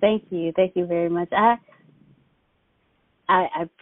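A woman's voice: fairly even intonation, measured pace, no room sound. Woman host on a tinny line. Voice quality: high-pitched voice. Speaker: podcast host. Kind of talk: podcast interview. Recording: tinny phone-like line, dry.

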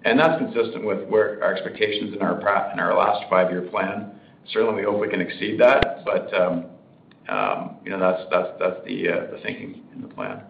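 Male executive, stiff and hesitant, lower-pitched, on a roomy speakerphone conference call. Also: animated, vocal fry, dull audio, slight background noise. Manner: stiff, halting, careful corporate delivery. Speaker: company executive on an earnings call. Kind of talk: answering analyst questions on a conference call.

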